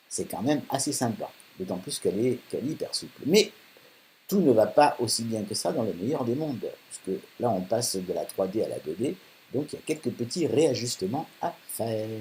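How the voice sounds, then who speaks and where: Male tutorial host, casual and chatty, low voice with animated pitch, desktop mic with light hiss. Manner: chatty, thinking aloud with many fillers. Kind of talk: casual screen-recorded tutorial. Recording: faint hiss.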